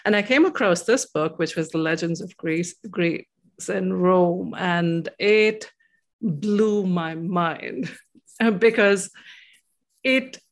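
A thoughtful woman with a low-pitched voice is being interviewed, reflecting on her personal experience. She speaks hesitantly, pausing often and repeating words.

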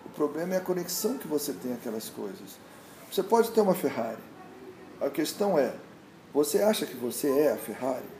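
A meditation teacher speaks reflectively in a casual interview, his slightly high, dark-toned voice very animated and fairly quick. He tells stories while searching for words, often restarting his thoughts repetitively, in an echoey room with faint noise.

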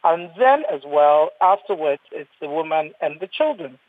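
A Ghanaian doctor in her sixties speaks earnestly on a panel in a low voice with big pitch swings and a moderate pace, often repeating words as she restarts. The dry recording sounds thin, husky, and phone-like.

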